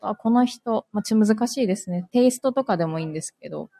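A woman host with a light Hiroshima accent leads a casual live radio chat, polite and quick to laugh. Her voice sits in the middle of the range and is recorded dry and close. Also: mid-range voice, animated, creaky, dark tone, dry recording. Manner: laughs often, polite and chatty.

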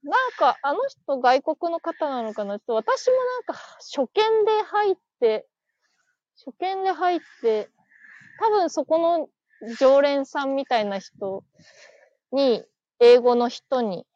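A woman's voice: high-pitched, sing-song, takes it slowly, a little mellow, no room sound, muffled recording. A woman hosting a casual live stream, chatting, laughing and reading listener comments aloud as she thanks each viewer. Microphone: phone.

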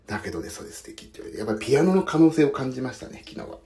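Gravelly and dark, this medium-pitched male voice has a sing-song lilt and a rapid-fire delivery. The speaker, a pianist who podcasts, soaks his feet in a bath while rambling about his work and poking fun at himself in his stories, with the bathroom echoing around him.

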